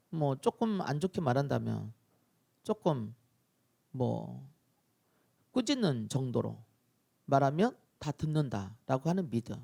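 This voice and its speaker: A male pastor preaching a dawn-prayer sermon, telling the story in an animated way and acting out scenes. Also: fairly high pitch, gravelly.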